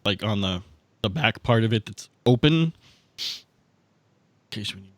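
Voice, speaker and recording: A man with a slightly low voice talks casually as a player in a tabletop game. He is halting and often repeats words. The sound is dry and close. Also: animated, dry recording.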